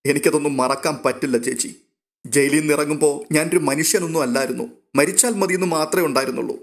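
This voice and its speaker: A man's voice: a little high, quick pace, creaky. A man voicing a remorseful young man who apologizes in a choked, emotional voice.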